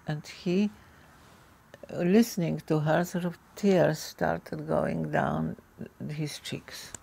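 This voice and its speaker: An older woman being interviewed at home, recounting memories in a halting, emotional way with many restarts. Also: sits low, creaky, darkish tone, husky. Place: indoor living room.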